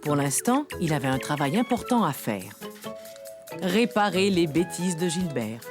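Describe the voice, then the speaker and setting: A woman playing a gentle storyteller, narrating a French children's cartoon like a storybook. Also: low voice, very animated, unhurried, music in the background. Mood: storytelling.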